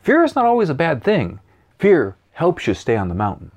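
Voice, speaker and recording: A man speaking as a guest coach in an interview, animated and repeating key phrases for emphasis. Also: a little high, a little fast, lo-fi sound. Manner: animated, acts out voices and sounds. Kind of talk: interview answering questions.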